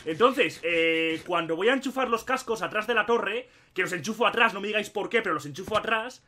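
A young man from Spain with a Spain Spanish accent, telling stories in excitable, slangy casual gaming commentary. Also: high voice, fairly quick. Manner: excitable storyteller, laughs often, slangy. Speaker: gaming YouTuber.

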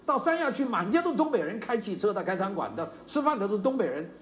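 An older male lecturer with a Chaozhou-tinged Mandarin accent, voice sitting fairly high and swinging widely in pitch. He talks in an animated, digressive way, scattering fillers and side stories through the lecture. Faint room noise hums under him. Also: fast. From China. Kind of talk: university lecture.

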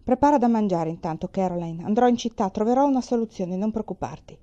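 A woman voicing a steady, resolute pioneer father. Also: mid-range voice, quick pace, dull audio, natural voice.

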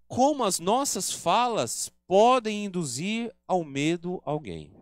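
An earnest man with a Brazilian Portuguese accent lectures at a spiritist center. His voice sits fairly high and swings widely in pitch as he teaches. The sound is close and dry, with little room in it. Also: expressive, takes it slowly, no echo. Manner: earnest, teaching, acts out quoted remarks. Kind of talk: religious lecture.

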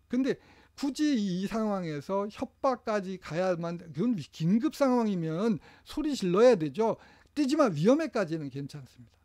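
A middle-aged man delivers a training lecture in a fairly high voice. He stays lively and acts out what parents say. The sound is dry and close. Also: no room sound.

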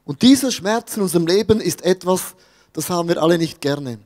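High-voiced Swiss German pastor preaching. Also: male voice, animated, a little fast, darkish tone, big-room sound. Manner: storytelling, jokey, talks to the audience. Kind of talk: sermon.

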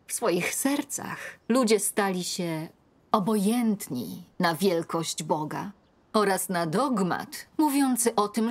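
A middle-aged woman in a dubbed film, reading a religious text aloud at a home table in a slow, earnest way. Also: fairly low pitch. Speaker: older woman leading a scripture reading.

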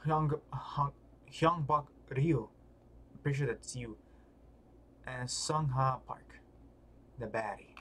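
A man's voice: mid-range voice, slow pace, long pauses, fairly bright tone, slight background noise. A man streaming a read-along, talking casually and slangily with muttered asides and reactions.

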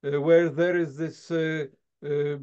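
A man lectures remotely at a very unhurried pace, his voice pitched a little high. He pauses often, filling the gaps with thoughtful filler sounds and tag questions. The video call audio comes through dull and lo-fi. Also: flat delivery, darkish tone, clear, resonant tone. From southern Poland. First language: Silesian. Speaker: guest lecturer. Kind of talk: academic lecture.

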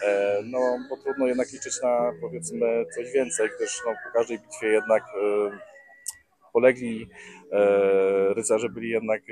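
A man in his forties who organizes a metal-detecting rally answers interview questions in a summer garden, wearing a lapel mic. His medium-pitched voice is level, slightly mellow and measured, though he hesitates with lots of filler sounds and restarts.

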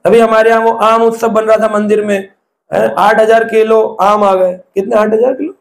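A man's voice: sits high, level tone, moderate pace, roomy sound, slight background noise. A man giving a devotional discourse, telling stories and asking the listeners rhetorical questions. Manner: storytelling, asks rhetorical questions. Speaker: preacher.

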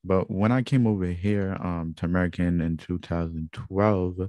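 A man's voice: low-pitched, steady tone, normal speed, dark tone, dry recording. A young man from Guyana with a Guyanese accent, earnestly recounting his own experiences as host of a vlog, with many fillers and restarts. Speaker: channel host. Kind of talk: personal testimony vlog.

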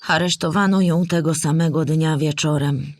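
A woman's voice: sits low, fairly even intonation, moderate pace, no room sound. A woman playing an older storyteller who remembers the war, explaining history patiently in a scripted audio drama for children. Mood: explanatory, grave.

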